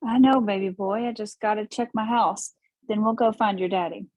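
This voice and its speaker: A woman's voice: medium pitch, steady tone, moderate pace, a little mellow, dry recording, close to an everyday voice, low-quality recording. A woman playing a protective, anxious mother who reassures her child, in a screenplay table read.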